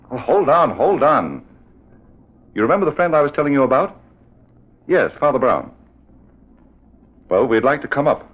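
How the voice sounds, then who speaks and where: An actor playing an earnest, eager detective in an old-time radio mystery, direct and inquisitive. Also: male voice, mid-range voice, husky. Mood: urgent. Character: earnest, eager male detective friend of a priest. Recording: tinny, narrow old radio recording.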